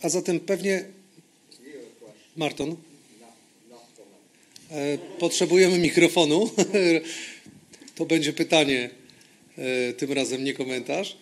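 A man's voice: on the high side, steady tone, a little slow, pauses often. A man moderating audience questions at a conference, speaking politely at a lectern in a hall.

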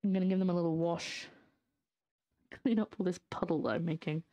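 A woman's voice: lowish voice, steady tone, fairly quick, mellow, muffled recording. A young woman from northeast Scotland with a light Scottish accent and a slight lisp from a brace, chatting jokily to her stream while cooking in her home kitchen. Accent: light Scottish, partly English-sounding. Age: young adult. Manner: chatty, jokey, sarcastic asides to chat. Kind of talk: casual live-stream chat while cooking.

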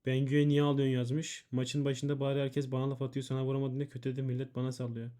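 A man's voice: medium pitch, monotone, fast talker, dark tone. A man streaming, reading out viewers' ban appeals and answering them in blunt, profane casual chat. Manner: blunt and swearing, reading chat messages aloud.

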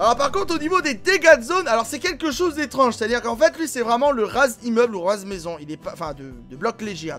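A man hosting a gaming channel, commenting casually and excitably on gameplay, filling his talk with voilà and hein. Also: high-pitched. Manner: excitable, filler-heavy, frequent voilà and hein. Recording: game music clearly behind voice. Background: background music and in-game explosions.

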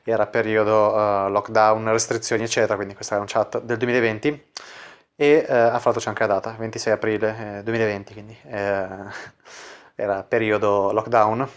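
A man's voice: on the low side, little pitch movement, moderate pace. Casual man coaching on dating chats. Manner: casual, full of "quindi" fillers. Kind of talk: explaining chat screenshots to viewers.

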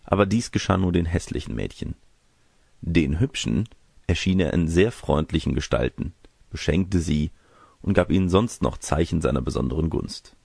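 A male audiobook narrator reads a fairy tale in a very low, gravelly voice. His intonation is animated, and the recording is dry and close. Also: normal speed, no echo.

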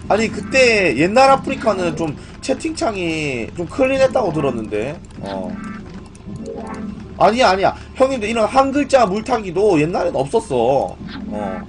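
Hosting a gaming live stream, a man with a strained throat talks informally and keeps putting questions to his viewers. His high voice swoops wildly in pitch at a measured pace, though it's in poor condition. Music and keyboard typing fill the background.

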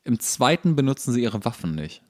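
A man's voice: medium pitch, big pitch swings, a little fast, a little mellow. A man co-hosting a podcast, chatting informally and explaining things with firm opinions. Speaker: podcast co-host. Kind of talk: casual chat, explaining film trivia.

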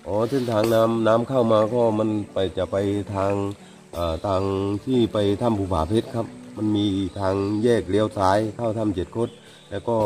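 A man's voice: lowish voice, a little mellow. A man working as a local guide, explaining the cave to a visitor outdoors in a hesitant way, with many fillers and agreeable replies. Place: outdoors at a cave mouth by a stream.

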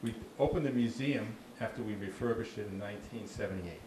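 ボストン訛りの年配男性、低めの声で話す. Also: male voice, lowish voice, brisk. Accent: Boston. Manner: chatty, restarts often, dry jokes. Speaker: park ranger giving a talk. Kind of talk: informal talk with audience questions. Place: small dark meeting room with slide screen. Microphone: handheld mic. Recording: echoey room with faint noise.

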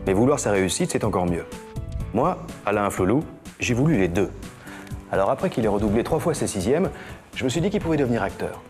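Self-important advert dad, swooping voice. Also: male voice, on the low side, sing-song, darkish tone, soft background music. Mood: solemn, proud. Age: middle-aged. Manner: solemn, deliberate slogan delivery. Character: self-important businessman father advertising himself, easily exasperated. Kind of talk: parody TV advert narration. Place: studio set.

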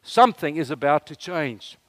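A South African man with an Afrikaans accent preaching a lively sermon, telling stories and tossing questions to the congregation. His voice sits fairly high for a man and is recorded dry and close, with little room sound. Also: moderate pace, dry recording. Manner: animated storytelling preacher, asks the room questions. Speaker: guest preacher.

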